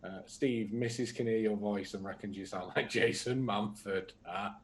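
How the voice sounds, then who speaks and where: A man's voice: on the low side, fairly even intonation, moderate pace, slight background noise. A man, co-hosting a casual livestream and chatting through viewer comments. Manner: chatty, reads out comments with asides. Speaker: co-host reading viewer comments.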